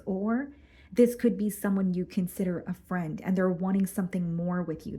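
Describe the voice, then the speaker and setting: A woman doing a casual tarot reading, going hoarse and clearing her throat as she talks through the cards with some hesitation. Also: on the low side, warm tone. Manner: careful, hesitant, repeats words. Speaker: tarot reader.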